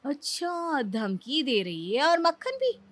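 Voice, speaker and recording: A woman voicing a sensible young elder daughter-in-law in a Hindi cartoon, who talks in a calm, reasoning way. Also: sits high, slow, faint music behind, voice pushed up, exaggerated voice. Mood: firm.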